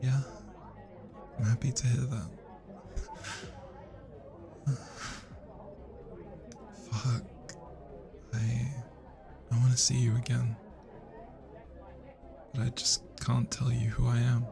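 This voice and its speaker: A British man playing a shy, smitten young student at a party, speaking softly and hesitantly in intimate roleplay ASMR, with sighs and whispers. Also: mid-range voice, flat delivery, takes it slowly, vocal fry, pauses often. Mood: wistful. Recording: music and party chatter behind. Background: party music and crowd chatter.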